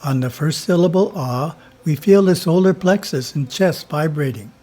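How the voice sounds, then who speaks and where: Mellow, husky man reading slowly. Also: on the high side. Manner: slow, measured, chanting Om. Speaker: spiritual teacher. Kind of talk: reading a spiritual editorial.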